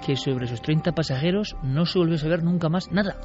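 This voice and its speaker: A man's voice: a little high, quick pace, loud music behind the voice. A man from hosting a late-night radio show, building suspense as he talks. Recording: dull lo-fi radio broadcast.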